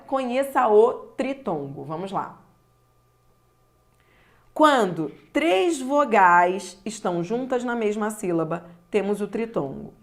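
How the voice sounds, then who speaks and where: Brazilian woman, grammar teacher, slow careful delivery, drawn-out key words, middle pitch. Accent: Brazilian Portuguese. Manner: slow and deliberate, stretching key words, addressing the viewer directly. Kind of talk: online grammar lesson.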